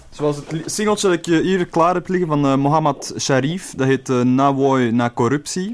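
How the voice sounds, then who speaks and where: A man at a moderate pace with ordinary pitch variation, hardly any pauses, and noticeable background noise. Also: fairly high pitch for a man. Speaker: radio host. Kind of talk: casual radio chat. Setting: radio studio.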